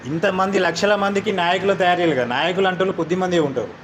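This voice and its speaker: A man's voice: high voice, racing, a bit bright, a little hiss or hum. A man, an activist assertively arguing political points in an interview. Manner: assertive, argumentative.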